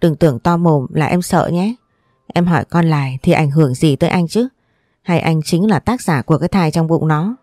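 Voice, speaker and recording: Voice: moderate pace, dark tone, no echo, studio quality, natural voice. A storyteller voicing a jealous, quarrelsome young wife who accuses and whines. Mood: accusing. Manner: shrill accusing, whining.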